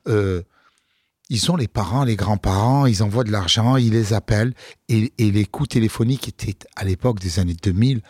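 A man's voice: fairly low pitch, a little fast, breathy edge, no room sound, studio quality. A man, a comedian, talking casually in an interview, telling stories with fillers and restarts. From France. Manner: relaxed storytelling, many fillers and restarts. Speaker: comedian guest.

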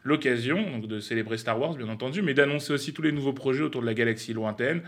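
A man's voice: medium pitch, quick pace, a bit bright. A young man giving a scripted, playful radio column, mock-pompous and laughing at his own jokes.

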